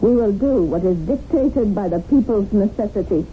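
A woman's voice: medium pitch, expressive, normal speed, lightly acted. Woman playing a severe, doctrinaire revolutionary, muffled sound. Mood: dogmatic. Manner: severe, dogmatic. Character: stern, doctrinaire female revolutionary guard, coldly righteous. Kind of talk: 1970s radio drama acting. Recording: muffled, noisy 1970s radio broadcast.

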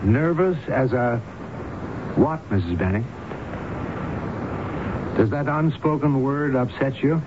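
A dull, noisy radio-play recording of an actor as an American male psychologist. His mid-range voice is calm and deliberate, questioning with professional reassurance. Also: mid-range voice, lightly acted. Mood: calm, probing. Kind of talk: radio drama acting.

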